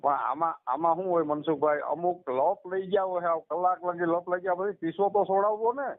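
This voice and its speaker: A man's voice: high voice, normal speed. A man with a Gujarati accent arguing defensively on a phone call, stammering and repeating words as he tries to get a word in. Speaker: caller in a dispute. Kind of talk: casual phone argument. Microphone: telephone line. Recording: tinny, narrow-band phone call recording.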